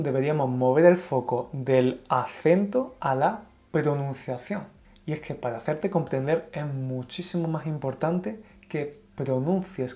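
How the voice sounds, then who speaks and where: A man from Andalusia, speaking with an Andalusian Spanish accent, giving a calm and clearly explained Spanish lesson to learners. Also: a little high. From Andalusia, Spain. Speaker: Spanish teacher. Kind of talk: scripted online Spanish lesson.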